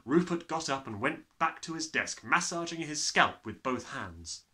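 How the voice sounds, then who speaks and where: A man's voice: fairly high pitch, unhurried. A young man reading a children's story aloud as a theatrical, dramatic narrator. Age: young adult. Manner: theatrical, animated.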